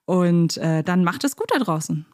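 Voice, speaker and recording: A woman's voice: on the low side, animated, normal speed, a little mellow, a little hiss or hum. A woman hosting a podcast in a casual, conversational chat style. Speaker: podcast host.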